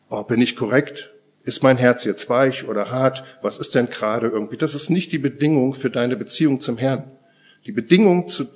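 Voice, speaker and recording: A man preaching to a congregation at a church service, with a voice of ordinary middle pitch. He speaks earnestly in slow, deliberate phrases and often drops to a hushed, intimate murmur. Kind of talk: sermon.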